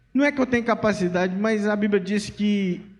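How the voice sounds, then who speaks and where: In an animated tone, a man speaks at a high pitch. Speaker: pastor. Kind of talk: sermon. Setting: church.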